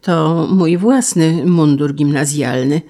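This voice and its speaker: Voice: mid-range voice, slow pace, warm tone. A narrator voicing a shy orphaned schoolboy who speaks hesitantly and earnestly in an audiobook. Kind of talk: audiobook character reading.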